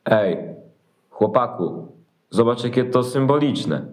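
A man's voice: medium pitch, expressive, slow pace. A man playing an earnest, wondering poor shepherd in an amateur nativity audio play.

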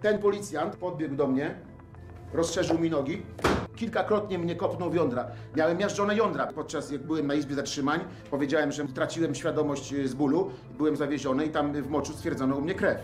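A man's voice: a little high, a little fast, roomy sound, over music. A man plaintively recounting his arrest in detail for a TV report. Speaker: interviewee in a TV report.

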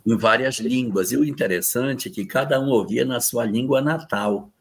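Husky man chatting on a video call. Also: mid-range voice, normal speed. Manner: conversational, with fillers. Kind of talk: casual panel discussion.

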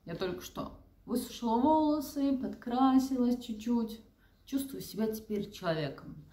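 A woman's voice: a little high, expressive, normal speed, dark tone. A woman in her thirties chatting informally in a casual home vlog, as a mother of young children. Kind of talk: casual vlog chat, talking to camera and to her toddler. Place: living room and bedrooms at home, indoors. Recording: echoey room.

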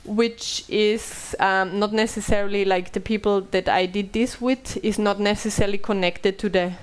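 Woman, thirties, headset mic, halting speech full of fillers. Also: medium pitch, steady tone, smooth. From Austria. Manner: hesitant, many fillers and restarts. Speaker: panel moderator. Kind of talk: conference panel talk. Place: small bright meeting room.

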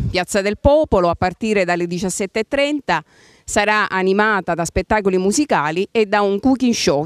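A woman with a smooth, clear voice gives a formal promotional address outdoors. She holds a handheld mic, and the sound is dry and close. Her delivery is measured and full of thanks. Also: medium pitch, no room sound. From Sicily. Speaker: association vice president. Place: outdoors in a town square.

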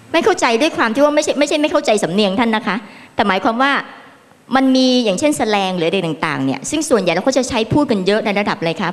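Lively woman moderating in a hall. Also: mid-range voice. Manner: polite, formal, expressive. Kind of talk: seminar moderation. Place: large conference room. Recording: long reverb of a large hall.

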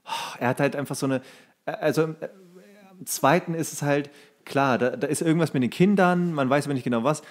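A man's voice: fairly high pitch, brisk. Man chatting casually, enthusiastic film fan. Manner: enthusiastic, acts out movie quotes. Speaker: podcast co-host.

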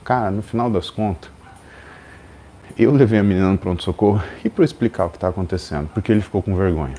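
A man's voice: sits low, fast, warm tone, a little hiss or hum. A man in his forties with a Brazilian Portuguese accent, telling a story as host of a live stream and acting out the people in it.

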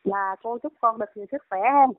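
A woman's voice: a little high, quick pace, loud music behind the voice. A middle-aged woman with a Southern Vietnamese accent calls in and delivers a heated, scolding monologue. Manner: scolding, indignant. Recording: tinny dry phone line.

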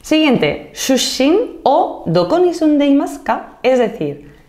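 Madrid woman teaching Japanese, clear and patient. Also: high-pitched, big pitch swings, a little mellow. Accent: Castilian Spanish, Madrid. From Spain (Madrid). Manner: clear explaining tone, slows down to model Japanese phrases, asks "¿vale?" often. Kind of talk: online video lesson.

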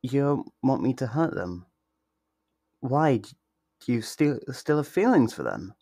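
A man's voice: mid-range voice, sing-song, dark tone, no room sound, clean studio sound. A man playing a sweet, possessive yandere lover in an intimate ASMR roleplay, tender and reassuring. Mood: protective, concerned. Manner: tender, reassuring, slow and deliberate.

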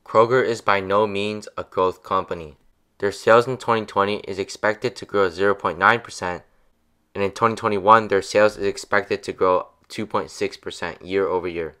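A young adult man giving a steady, scripted voice-over that explains stock picks. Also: fairly low pitch, normal speed. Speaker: finance channel narrator.

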